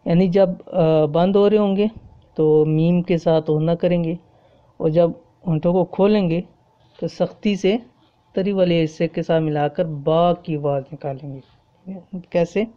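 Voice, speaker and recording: With the highs cut off, the recording carries a woman's voice that sits on the low side with fairly even intonation. She's giving an explanatory tajweed lesson, patiently repeating each point of Quran recitation and checking understanding with "okay?". She draws out the Arabic examples slowly.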